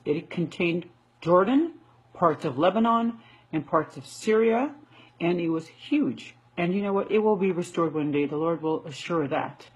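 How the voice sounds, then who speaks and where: An American woman giving an unscripted opinion monologue in an emphatic, indignant, argumentative manner, with a husky voice. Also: on the low side, expressive, a little slow, a little mellow, dull audio. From United States. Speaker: online video commentator.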